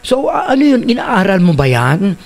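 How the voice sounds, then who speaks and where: High-voiced chatty radio host man. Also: very animated, moderate pace, vocal fry. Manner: chatty, many fillers and tag questions. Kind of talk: casual radio interview.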